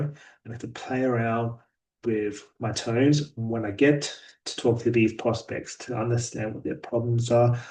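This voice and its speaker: A man talking through his day in a vlog, his delivery flat and a little robotic. His voice sits at an ordinary middle pitch and sounds slightly distant from the microphone. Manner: self-described monotone, robotic delivery. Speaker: sales rep vlogger. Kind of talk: daily progress vlog. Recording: voice a bit distant from mic.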